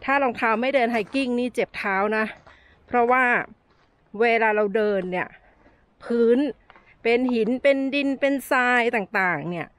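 Middle-aged woman, slightly high-pitched, friendly walk-and-talk hiking vlog, recorded outdoors on a camera held at arm's length, breathing a little hard. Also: lively intonation, normal speed. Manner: chatty, friendly tips with soft sentence-final particles. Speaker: travel vlogger. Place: outdoor desert canyon trail. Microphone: handheld camera at arm's length.

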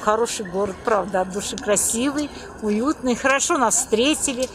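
A woman's voice: a little high, normal speed. A woman from Russia, a visitor giving a short street interview. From Ishimbay, Russia. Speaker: festival visitor. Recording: crowd noise behind.

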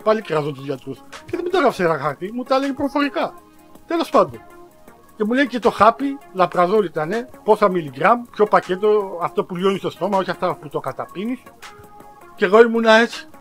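Man, high-pitched voice, casual vlog storytelling, dramatic, self-mocking, slangy, talks to viewers, faint background music. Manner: animated, dramatic storyteller with exaggerated outbursts. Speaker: vlogger.

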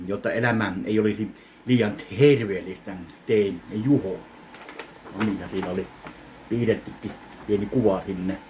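A man in his thirties opening fan mail in his kitchen in a casual vlog, commenting slowly with wry self-mockery into a webcam. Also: lowish voice, darkish tone, a little hiss or hum, poor audio. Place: home kitchen, indoors. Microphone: webcam in front of him.

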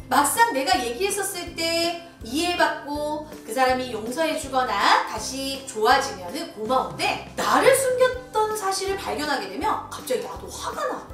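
High, sing-song woman teacher. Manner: sing-song and encouraging, coaching slow breathing. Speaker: children's teacher. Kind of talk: children's lesson video. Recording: echoey room, from a distance, soft music.

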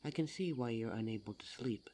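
A performer voicing a suave, teasing demon lover in an intimate ASMR roleplay audio drama, smooth-talking and formal in address. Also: mid-range voice, expressive, a little fast, warm tone, a little hiss or hum, close to an everyday voice. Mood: soothing, intimate.

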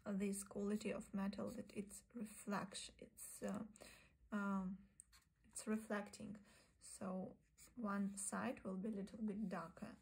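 A woman teaching a sketching lesson, narrating calmly and often half-whispering while she draws at a desk. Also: medium pitch, husky, rough recording. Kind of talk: soft-spoken drawing tutorial. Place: indoors at a desk, overhead camera on the sketchbook.

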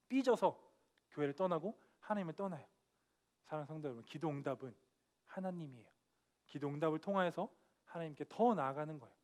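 A young man preaching an earnest, emphatic sermon in a church, dropping soft and then rising on key points. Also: high-pitched. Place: church sanctuary.

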